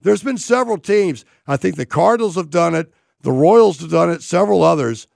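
A raspy, gravelly-voiced man hosts a sports talk show, talking through a game in a loose, rambling way. The sound is close and dry, with no room around him. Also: high voice, lively intonation, fairly quick, a little mellow, dry recording. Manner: rambling, conversational analysis.

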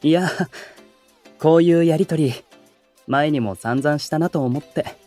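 An actor playing a calm, gentle young male idol who keeps the peace in a Japanese voice drama, speaking politely and with composure. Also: fairly high pitch, unhurried, soft background music, lightly acted. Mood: serene, confident. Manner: soft-spoken, composed, polite and reflective. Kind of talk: Japanese anime-style voice drama acting.

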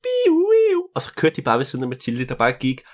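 A man's voice: medium pitch, level tone, fairly bright tone. A young man taking turns in an improvised story, playful and adding sound effects.

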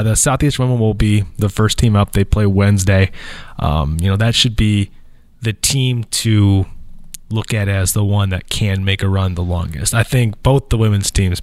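A man's voice: lowish voice, fairly even intonation, moderate pace, a little mellow, no echo. A man hosting a casual sports podcast, talking loosely with a nasal, allergy-stuffed voice and many fillers, in an office conference room. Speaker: podcast host.

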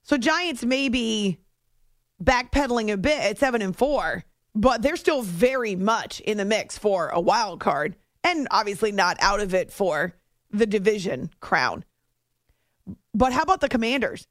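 A woman hosting a late-night sports radio show, talking through results in a chatty way with quick asides. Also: medium pitch, lively intonation, dry recording, studio quality. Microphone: studio microphone.

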